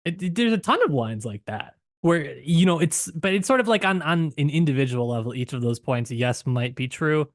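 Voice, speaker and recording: A man hosting a podcast, talking casually about literature in a halting, thinking-aloud way with trailing qualifications. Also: fairly high pitch, lively intonation, no echo, studio quality. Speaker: podcast host.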